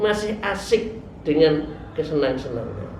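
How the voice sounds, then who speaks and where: A man's fairly slow speech, with audible room echo and noticeable background noise. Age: 60s. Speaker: Islamic preacher and teacher. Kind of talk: religious study lecture.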